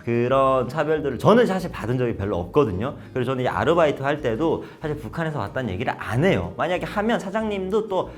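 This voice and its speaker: A young man from North Korea talking casually to camera, telling stories with acted-out quotes. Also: medium pitch. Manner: lively storytelling with acted-out quotes. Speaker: vlogger.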